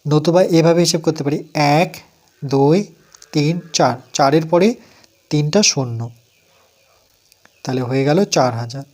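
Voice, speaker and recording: A man's voice: a little high, a little mellow. Man with a West Bengal accent teaching math. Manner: counts aloud slowly, asks and answers his own questions. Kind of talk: step-by-step math lesson.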